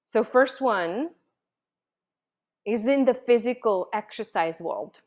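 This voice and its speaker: A woman from the Czech Republic, talking casually to viewers as a coach, telling personal stories in a chatty, animated way full of "like"s. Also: on the high side, slow pace. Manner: chatty, animated storytelling with many "like"s.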